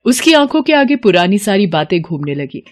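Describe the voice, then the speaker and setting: A woman reading a storybook tale in steady, measured narration. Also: medium pitch.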